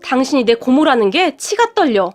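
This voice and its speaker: A woman's voice: sits high, very animated, moderate pace. A woman voicing a hurt, indignant young married woman who retorts sharply, over faint music.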